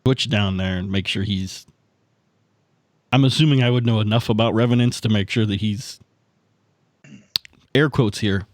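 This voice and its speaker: Lowish-voiced man playing a tabletop game. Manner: halting, repeats words. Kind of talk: casual game-table talk.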